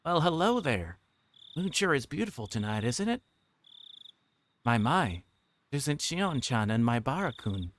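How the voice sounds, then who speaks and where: A man's voice: medium pitch, big pitch swings, a little slow, pauses often, a bit bright. A man voicing a coy, teasing woman from a visual novel, playful and affectedly polite. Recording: clearly noisy background with clicks.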